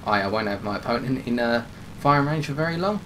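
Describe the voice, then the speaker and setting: Hoarse-voiced man narrating gameplay. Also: medium pitch, expressive, fast talker, fairly bright tone, slight background noise. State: hoarse, losing his voice. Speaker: gameplay commentator. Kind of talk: game commentary over gameplay.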